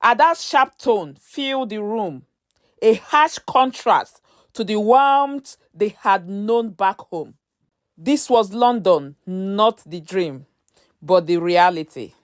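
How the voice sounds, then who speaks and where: A woman narrating a scripted story in a measured, dramatic storytelling manner. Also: medium pitch, animated, no echo, clean studio sound.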